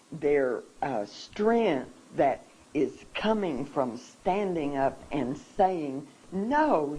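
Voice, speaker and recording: A speaker addressing a seminar audience, emotional and halting, often restarting sentences. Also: medium pitch, a little mellow, a little hiss or hum, poor audio. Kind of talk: personal talk to an audience.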